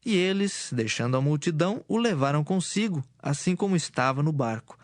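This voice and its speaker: A man's voice: a little high, animated, brisk, no room sound, clean studio sound. A man reading scripted, dramatic narration for an audio Bible. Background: music.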